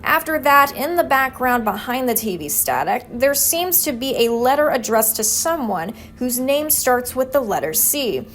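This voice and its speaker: A woman's voice: high-pitched, big pitch swings, moderate pace, few pauses, fairly bright tone, a little hiss or hum. A young woman hosting a horror video essay, mixing scripted narration with jokey, slangy, theatrical asides.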